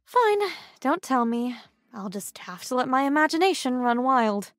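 A woman's voice: high voice, big pitch swings, normal speed, no room sound. An actress playing a teasing, sympathetic female coworker in a casual audio drama scene.

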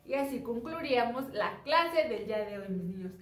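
A kindergarten teacher, leading an online lesson for young children with slow, drawn-out letter drills. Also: female voice, a little high, expressive. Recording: very echoey room, voice far from mic.

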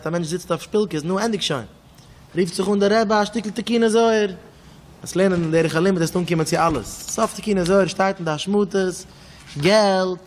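Rabbi with Hasidic Yiddish accent, echoing hall. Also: male voice, a little high. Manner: storytelling, animated swings in loudness, repeats words. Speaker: rabbi giving a talk. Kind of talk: Yiddish sermon with stories.

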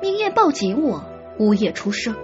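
A woman's voice: a little high, big pitch swings, normal speed, highs cut off, soft background music. A woman narrating a romance audiobook expressively, acting out the heroine's lines.

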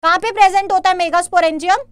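A woman's voice: very high voice, steady tone, racing, no echo, studio quality. A woman teaching a live online biology class. She reads students' answers aloud, praises them, and explains in Hindi with English terms.

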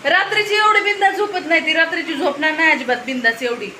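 High-voiced bright woman vlogging at home, ranting and scolding, echoey room w/ some background hum. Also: fast talker. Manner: animated scolding storytelling. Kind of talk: casual family vlog chat. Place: home indoors.

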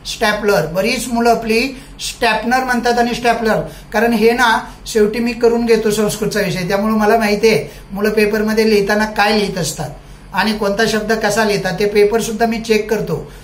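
A man's voice: high voice, slight background noise. A male teacher giving a recorded lesson. He drills words over and over and keeps asking quiz-style questions. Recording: echoey room.

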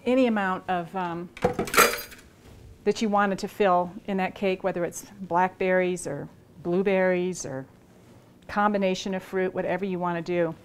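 In a large home kitchen, a cooking show host in her sixties leads a demonstration, talking casually and easily as she works with her hands. Her voice sits at medium pitch, and there's slight background noise.

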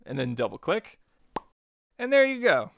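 A man narrating a software tutorial in a chatty, informal way, guiding step by step. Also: fairly high pitch, huge pitch swings, normal speed, gravelly, no echo, studio quality. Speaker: tutorial host.

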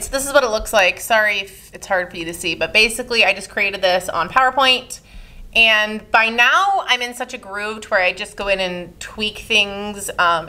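A woman's voice: medium pitch, sharp tone. A young woman, a teacher, talking casually to camera in her classroom, upbeat and frank though tired and pregnant. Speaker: teacher vlogger. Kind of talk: casual vlog chat.

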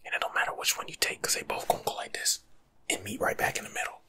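A young man doing soft-spoken ASMR as a laid-back, rambling life coach, husky and often slipping into a whisper. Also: fast talker. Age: young adult. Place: small room at home.

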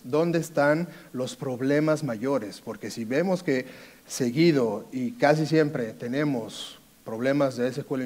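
A man with an Italian accent giving a conference talk on a dark stage, hesitant, with many fillers and restarts. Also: mid-range voice. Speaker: conference speaker, sales engineer. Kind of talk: conference presentation.

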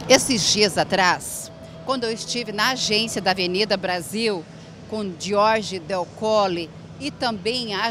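A woman's voice: fairly high pitch, a little hiss or hum. A middle-aged woman hosting a variety show, interviewing a guest with a handheld mic in a big event hall, chatty and complimentary. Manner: chatty, warm compliments, laughs. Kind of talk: casual interview chat. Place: large indoor event hall.

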